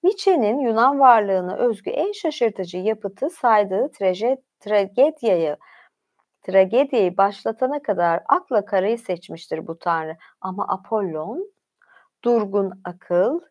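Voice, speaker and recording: A woman's voice: medium pitch, expressive, darkish tone. A woman hosting a livestream, reading aloud and adding informal, conversational asides as she goes. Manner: informal, conversational, often pausing to comment. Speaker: livestream host reading about mythology.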